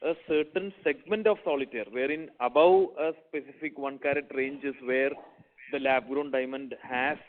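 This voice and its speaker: A man's voice: medium pitch, fairly even intonation, normal speed. A man with an Indian accent speaking as a company executive, answering investor questions on an earnings conference call. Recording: narrow phone-like conference line.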